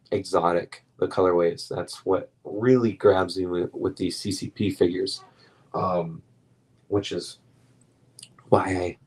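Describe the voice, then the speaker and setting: A young man with a deep, low voice chats casually on a late-night stream. He rambles, restarts sentences and fills pauses with ums. His voice is turning slightly hoarse. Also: darkish tone. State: voice getting hoarse. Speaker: live stream host. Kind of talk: relaxed late-night collector chat.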